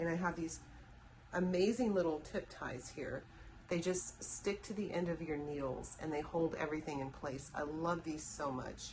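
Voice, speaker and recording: Here a woman talks with a very deep, low pitch and ordinary pitch variation. Her pace is moderate, with noticeable background noise behind her. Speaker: yarn dyer and knitting podcaster. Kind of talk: casual vlog chat.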